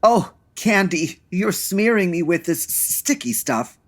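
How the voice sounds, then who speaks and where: An actor playing a fussy, long-suffering gay best friend in a comic detective radio drama, arch, wry and aggrieved. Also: male voice, high-pitched, measured pace, fairly bright tone. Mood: affronted. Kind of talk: comedic 1940s radio detective acting.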